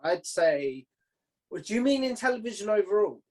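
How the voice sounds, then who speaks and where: A man's voice: high voice, big pitch swings, moderate pace, darkish tone. A man hosting a casual podcast interview, chatting informally, offering his opinions and thinking aloud as he goes.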